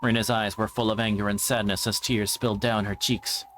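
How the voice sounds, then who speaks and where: A man's voice: on the low side, little pitch movement, fairly quick, a bit bright, a little hiss or hum. A man reading visual novel narration aloud, now and then stumbling over the text and repeating phrases. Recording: music behind the voice. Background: music.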